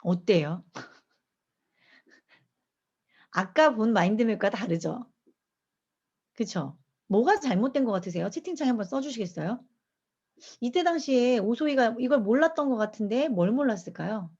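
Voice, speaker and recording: A woman's voice: a little high, normal speed, long pauses, husky. A woman teaching mind mapping in an online lecture, asking her audience questions as she goes. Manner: lively, asks the audience questions. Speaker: mind map instructor. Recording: dull lo-fi online class audio.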